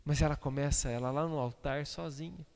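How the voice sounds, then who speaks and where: A man, preaching a sermon as pastor, swinging between loud outbursts and hushed asides. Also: on the high side, fairly even intonation, a little fast, vocal fry. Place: church sanctuary. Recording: reverberant church hall.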